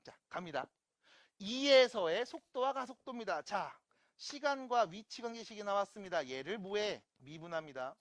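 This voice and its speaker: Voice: medium pitch, animated, normal speed, fairly bright tone, no echo. A math lecturer teaching an online class, explaining step by step, often checking in with rhetorical questions and dropping playful asides.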